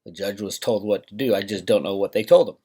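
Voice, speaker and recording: A man's voice: on the low side, fairly quick, warm tone, slightly rough. A man hosting a financial commentary vlog, talking casually and emphatically to viewers with opinionated asides and rhetorical questions.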